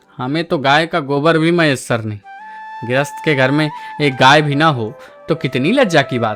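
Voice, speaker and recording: A man's voice sits at a fairly high pitch. Behind him, music can be heard. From Uttar Pradesh, India. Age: 20s. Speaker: audiobook narrator. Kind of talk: novel audiobook reading.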